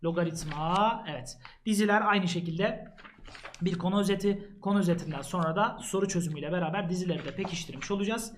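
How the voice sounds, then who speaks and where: A man's voice: high-pitched, quick pace, slight background noise. Earnest male math teacher. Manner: earnest, addresses students directly, flips through pages. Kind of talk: casual walkthrough of a prep book.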